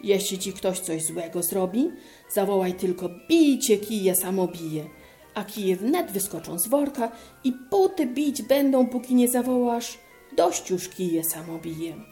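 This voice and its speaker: A woman's voice: medium pitch, big pitch swings, a little slow, mellow, soft background music. Woman playing a wise old master craftsman. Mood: earnest.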